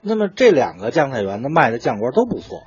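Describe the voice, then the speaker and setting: A man's voice: mid-range voice, sing-song, fast talker. A man with a Beijing accent explaining things conversationally, like a storyteller who poses questions and then answers them. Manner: colloquial storyteller, asking and answering own questions. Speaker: food writer guest explaining dishes. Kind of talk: conversational explanation of traditional cooking. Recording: muffled, dull lo-fi sound.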